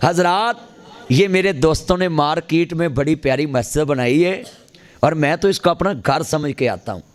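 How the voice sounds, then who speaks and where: A male cleric with a Lahori Punjabi accent delivers a fiery sermon to a gathering. His voice sits a touch higher than most men's. He rouses the listeners and calls on them to answer him aloud. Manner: rousing, calls on the crowd to answer loudly, acts out voices. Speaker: Islamic cleric preaching. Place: gathering at a mosque in a market.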